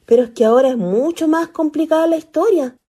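A woman's voice: high-pitched, fairly quick, dark tone, lightly acted. A woman playing a lovestruck young ghost, a naive country girl with a Chilean accent and earnest colloquial speech, in a radio play. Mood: lovestruck, hopeful. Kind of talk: radio theatre acting.

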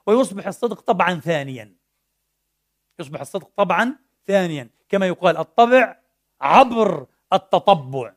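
A middle-aged man preaching a sermon in a mosque, telling a story animatedly and slipping between formal and colloquial speech. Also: on the high side. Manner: animated storytelling, mixing classical and colloquial Arabic. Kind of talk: Friday sermon.

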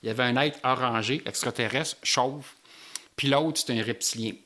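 Quebec guy telling his story all animated, slangy, regular mid voice. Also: mid-range voice, moderate pace. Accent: Québécois French.

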